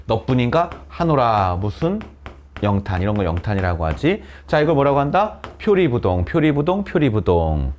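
A man teaches Korean literature in a cram school classroom with students present, often raising questions only to answer them himself. His mid-range voice is sing-song and slightly mellow, moving at a moderate pace, and a little hiss or hum can be heard.

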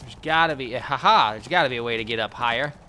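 A man's voice: mid-range voice, fast talker, pushed and bright, a little hiss or hum. A man giving loose, profane running commentary while playing a video game, talking back at the game and its characters. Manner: profane, rambling, talks to the game. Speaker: let's play host. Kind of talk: casual gameplay commentary.

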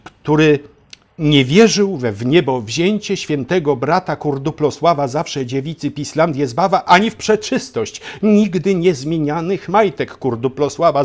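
Picture a man acting out a storybook propagandist with a medium-pitched male voice. He tells a satirical fairy tale very slowly, with mock solemnity and theatrical weight. He talks down to his little listeners sweetly while fawning over his ruler. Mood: patronizing, emphatic.

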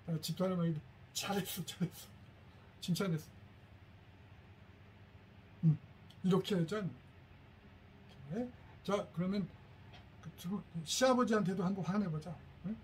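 A middle-aged man, a teacher, giving a lively workshop to parents and coaxing the audience to repeat phrases after him. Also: high-pitched, moderate pace, long pauses, slight background noise.

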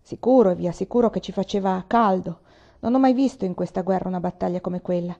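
A woman's voice: medium pitch, fast, creaky, mellow, lo-fi sound, close to an everyday voice. A woman voicing a greedy but easygoing male army sergeant who talks in an offhand, commanding way.

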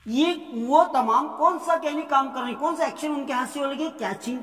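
A man teaching an English grammar lesson. He asks the class questions and answers them himself, dropping low and soft on each answer word. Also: soft background music. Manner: reads each example sentence slowly. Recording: echoey room with long reverb.

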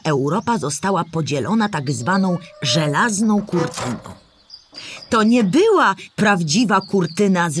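A woman's voice: on the low side, slight background noise. A woman playing a kindly old storybook animal who patiently explains history to a child in a children's audio play. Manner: patient, clear explaining in simple words.

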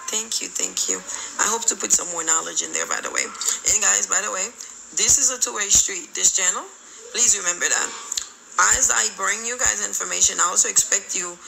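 A woman's voice: mid-range voice, gravelly, background noise. A woman in her thirties with a Haitian accent, hosting a live stream and chatting as she reads viewer comments, switching between English, Creole and French. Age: 30s. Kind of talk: casual live-stream chat reading comments. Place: small room indoors. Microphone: phone held close.

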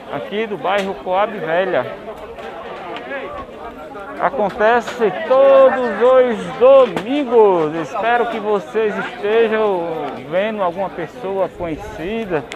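A man from Brazil with an Alagoan accent, chatting with vendors and viewers as he walks through a street market. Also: high voice. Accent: Alagoan Brazilian Portuguese. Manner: friendly, chatty, addresses viewers as friends. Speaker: vlogger touring a street market. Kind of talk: casual chat with vendors and viewers. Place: busy open-air street market outdoors. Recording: loud market crowd behind.

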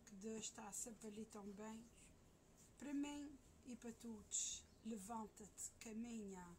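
A middle-aged woman with an Azorean Portuguese accent, chatting to her viewers from her living room and reading scripture aloud in a slow, solemn way. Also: fairly high pitch, darkish tone, a little hiss or hum. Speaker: vlogger. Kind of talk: casual chat and Bible reading.

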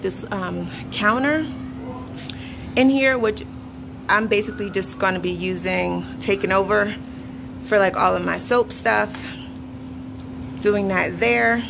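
A woman of medium pitch, with vocal fry, chats her way through her house in a casual tour vlog. She's a young vlogger filming on a handheld phone as she walks, laughing often and ranting occasionally, and the home recording is noisy.

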